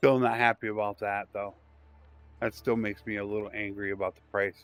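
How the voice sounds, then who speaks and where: Over music in the background, a man talks at a fairly quick pace in a fairly low, monotone voice with flat intonation, the sound dry and close with no echo. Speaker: gaming livestreamer. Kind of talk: gameplay livestream commentary. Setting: livestream.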